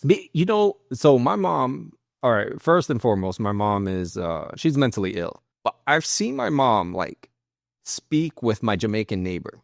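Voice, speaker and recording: A man talking informally on a podcast panel, halting now and then as he gathers his thoughts. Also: mid-range voice, sing-song, gravelly, dry recording, clean studio sound. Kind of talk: casual panel discussion with personal anecdotes.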